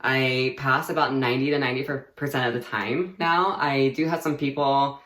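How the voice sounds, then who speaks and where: A man's voice: mid-range voice, steady tone, moderate pace, sharp tone. A young man vlogging a casual personal update, rambling and chatty with lots of fillers and easy laughter. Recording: echoey room.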